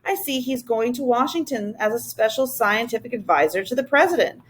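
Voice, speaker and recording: A woman doing a brisk, skeptical father. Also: fairly high pitch, animated, lightly acted, poor audio. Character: father, middle-aged man, brisk and skeptical.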